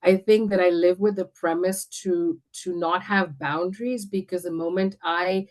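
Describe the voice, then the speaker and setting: A woman's voice: lowish voice, fairly even intonation, normal speed, darkish tone. A woman from India speaking as an interview guest, talking confidently and emphatically with frequent restarts. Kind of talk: casual interview chat.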